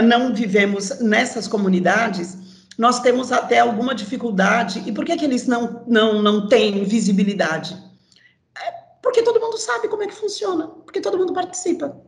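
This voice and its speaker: A woman's voice: a little high, roomy sound. A woman with a mixed São Paulo and Bahian accent, speaking animatedly as a guest in an interview and laughing as she tells stories. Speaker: city council candidate. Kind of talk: conversational interview.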